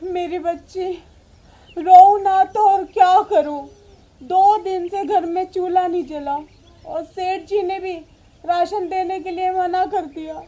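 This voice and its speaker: A woman acts out a poor, long-suffering mother in a melodramatic family drama. Her voice is extremely high. She speaks in a pleading lament, full of despair. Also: measured pace, highs cut off. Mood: tearful, despairing. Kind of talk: melodramatic Hindi drama acting.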